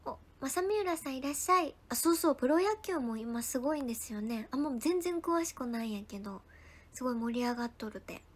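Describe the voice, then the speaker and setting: A young woman chats casually on a livestream, thanking viewers by name and slipping into soft whispered asides. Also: sits high, lively intonation, quick pace. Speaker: idol livestreamer. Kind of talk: casual livestream chat reading viewer comments.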